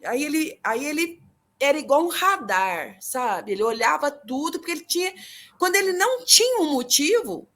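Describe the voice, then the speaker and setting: A woman's voice: sits high, sing-song, normal speed, a bit bright. A middle-aged Brazilian woman giving an earnest, emotional personal testimony in an interview. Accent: Brazilian Portuguese. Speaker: guest telling her story.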